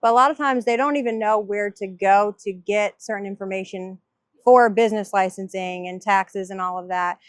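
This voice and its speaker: A woman's voice: medium pitch, steady tone, moderate pace, no room sound, studio quality. A woman who owns a downtown business, describing herself as analytical and talking practically in a casual chat. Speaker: downtown business owner guest.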